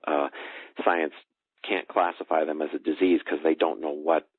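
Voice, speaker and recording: A man with a low-pitched, husky voice explains things earnestly and haltingly, as a guest in an interview. He is heard over a tinny phone line. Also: little pitch movement, dry recording. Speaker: interview guest, energy healer. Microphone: telephone.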